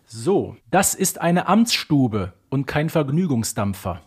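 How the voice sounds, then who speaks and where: Male podcast co-host, slightly rough-edged voice, animated pitch, casual quiz banter. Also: slow pace. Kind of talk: casual quiz chat about audio dramas.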